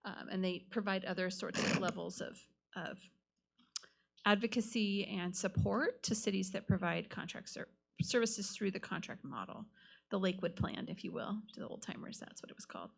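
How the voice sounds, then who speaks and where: Female city official briefing a council: medium pitch, gravelly edge, businesslike and explanatory. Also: moderate pace. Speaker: city staff official presenting a report. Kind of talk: semi-formal staff briefing. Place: council meeting room.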